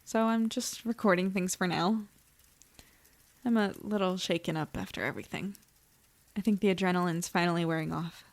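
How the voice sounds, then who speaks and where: A woman's voice: fairly low pitch, expressive, normal speed, no room sound. A woman playing a plucky young investigator in an audio drama, casual and wry as she speaks. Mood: wry, shaken. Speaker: lead character and narrator. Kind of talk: audio drama acting, conversational narration.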